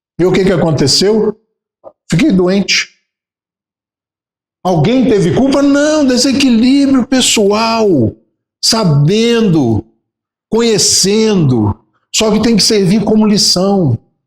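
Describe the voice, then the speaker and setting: Very slow with long, frequent pauses, a man speaks at a high pitch with lively intonation and very even loudness. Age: 60s. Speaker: spiritist lecturer. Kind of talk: lecture.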